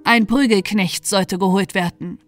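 Fairy-tale audiobook: a stern angry nobleman, as a woman narrator voices him, loud and commanding, soft music behind. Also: mid-range voice, steady tone, unhurried, close to an everyday voice. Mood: harsh. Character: harsh angry nobleman uncle, man.

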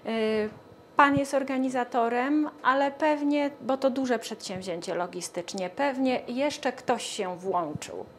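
A woman's voice: a little high, unhurried, a little hiss or hum. A woman asks questions as a television interviewer in a studio. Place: TV studio, seated at a glass desk.

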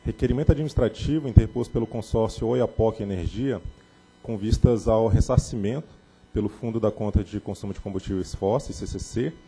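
Brazilian man, low dark husky voice, formal agenda reading. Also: a little fast. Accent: Brazilian Portuguese. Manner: steady, official reading. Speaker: meeting chair announcing agenda items.

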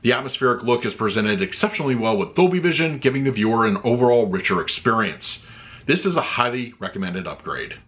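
A man's voice: medium pitch, lively intonation, fast talker, fairly bright tone. A man in his thirties reviewing a movie disc at home, chatting loosely and then reading out a written review. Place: home room with shelves of discs.

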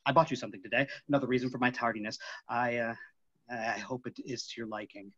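A man playing a tormented, obsessive phantom in a staged reading, halting and dramatic, moving between hushed and loud. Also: medium pitch, steady tone, no room sound, natural voice. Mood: menacing, tender. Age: middle-aged. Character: tormented, obsessive masked phantom, possessive male lover. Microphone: computer mic on video call. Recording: muffled video call audio.

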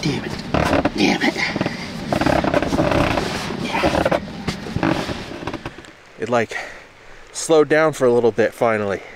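A man's voice: takes it slowly, pauses often, a little hiss or hum. A man in his thirties, talking glumly and mocking himself in a casual solo vlog, recorded close up inside a parked car at night. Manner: glum, self-mocking, low-key. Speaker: vlogger. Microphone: camera close by in the car.

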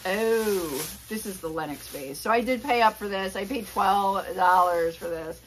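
A woman's voice: medium pitch, measured pace, a little hiss or hum. A woman in her forties chatting casually to camera about her flea market finds, rambling with lots of fillers and asides, in a small indoor room. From Pennsylvania, USA. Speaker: reseller vlogger. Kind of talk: casual haul chat to camera. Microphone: camera on a tripod at a few feet.

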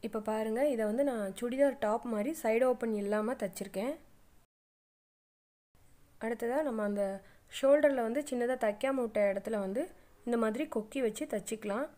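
A woman's voice: on the high side, normal speed, long pauses, mellow. A middle-aged woman, narrating a step-by-step sewing tutorial with plain, patient instructions. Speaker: craft channel host.

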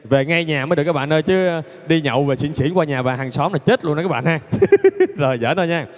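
A man's voice: a little high, fast. A man giving a casual piano lesson, chatty and joking, laughing at himself between fingering steps. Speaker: piano teacher. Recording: long reverb, loud piano music.

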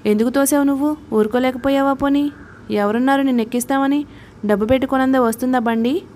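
Storybook figure: bossy, dismissive rich boy, brisk, higher pitch, read by a woman. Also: steady tone, darkish tone, a little hiss or hum, lightly acted. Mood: scornful. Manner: curt and dismissive.

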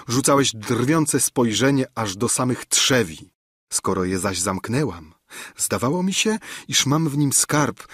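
A heartbroken young woman pours out her love and despair in an impassioned, declamatory plea, as a man reads her part in an audiobook. The husky voice sits at a middling pitch. It sounds close and dry, with no room around it. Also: no room sound. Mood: pleading. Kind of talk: audiobook reading of a classic novel.

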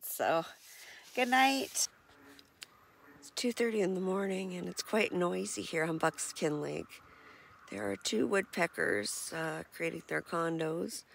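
A middle-aged woman with a gravelly, fry-laced voice sits low in her range and chats loosely, filling gaps with ums and uhs. Her nose is stuffed up. She holds the camera at arm's length at a lakeside campsite, with faint outdoor noise behind. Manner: chatty, relaxed, lots of ums and uhs. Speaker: solo camping vlogger. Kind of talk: casual vlog narration.

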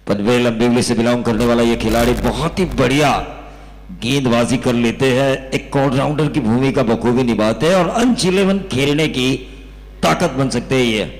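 A man's voice: medium pitch, moderate pace, long reverb tail, poor audio. A man giving live cricket commentary, rhetorical and emphatic, asking questions and answering them himself. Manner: rhetorical, emphatic, quotes film dialogue for flair.

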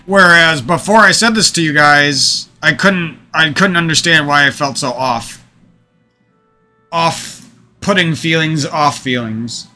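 Bright-voiced man venting, profane and rambling. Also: on the high side, unhurried, faint music behind. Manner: rambling, profane, restarts often. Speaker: gaming streamer. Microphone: desk microphone.

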